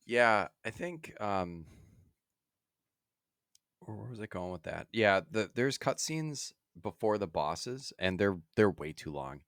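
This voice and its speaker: A man's voice: fairly low pitch, expressive, takes it slowly, fairly bright tone, clear, resonant tone, no room sound, clean studio sound. A man co-hosting a podcast, casually discussing video games in a rambling way that often drifts from his thread. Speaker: podcast co-host.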